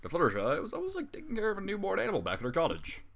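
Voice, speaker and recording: A man's voice: high-pitched, huge pitch swings, racing, gravelly, a bit bright. A man reading a fan story aloud and breaking off into exasperated, swearing comic reactions. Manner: exasperated, swearing outbursts between narration. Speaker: fanfiction reader.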